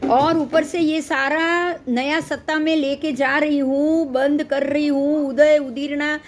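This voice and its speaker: A middle-aged woman teaching a scripture lesson, explaining slowly and often quizzing her listeners. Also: high-pitched, little pitch movement. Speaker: religious teacher.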